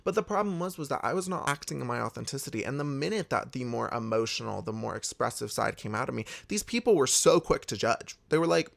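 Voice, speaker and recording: A man's voice: quick pace, gravelly, hardly any pauses. A young man giving a candid, emphatic pep talk, swearing freely and confiding in his viewers. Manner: emphatic and expressive, swears freely, big swoops in pitch. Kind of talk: candid motivational monologue.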